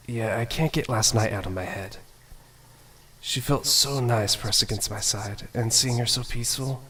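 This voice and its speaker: A man playing an awkward, self-doubting young prince musing to himself in a fan audio drama, with a husky voice. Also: on the low side, fairly bright tone, distant mic, close to an everyday voice. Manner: casual, introspective musing.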